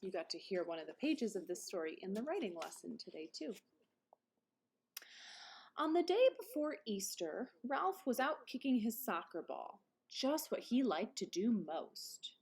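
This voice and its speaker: A woman's voice: mid-range voice, very animated, unhurried, darkish tone, husky. A woman reading picture books aloud as a teacher would to her class. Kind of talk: children's story read-aloud.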